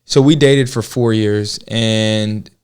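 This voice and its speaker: A man's voice: on the low side, fairly even intonation, slow pace, a little mellow, smooth. A man in his twenties with an American accent, chatting casually as a podcast co-host in a joking, talkative way. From Georgia, United States. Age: 20s. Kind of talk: casual relationship podcast chat.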